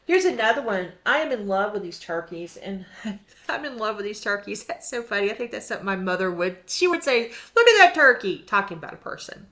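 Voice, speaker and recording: A woman's voice: medium pitch, brisk, fairly bright tone. A woman in a casual, rambling show-and-tell vlog about her cross-stitch projects, laughing often as she talks.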